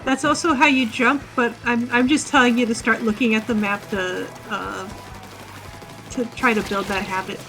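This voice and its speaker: A woman's voice: fairly high pitch, steady tone, moderate pace, fairly bright tone, soft background music. A woman streaming a game while patiently coaching a newcomer, giving instructions and laughing often. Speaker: experienced player coaching a newcomer. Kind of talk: casual game stream chat.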